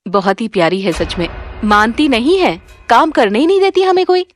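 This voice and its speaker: A woman voicing a spoiled, gushing young daughter in an animated story. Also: a little high, normal speed, soft background music, lightly acted. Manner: gushing, excited.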